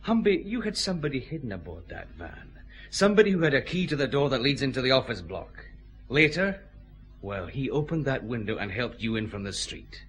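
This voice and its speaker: An actor playing a firm, methodical police chief inspector, questioning a suspect in a vintage radio drama. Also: male voice, mid-range voice, very animated, fairly bright tone. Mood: stern. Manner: brisk, methodical, dry authority.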